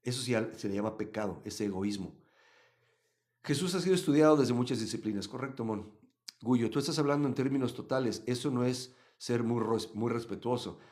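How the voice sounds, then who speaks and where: A man from Mexico, teaching a live Bible study and answering chat comments, swinging between loud emphasis and quiet asides. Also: medium pitch, fairly quick. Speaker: Christian livestream teacher.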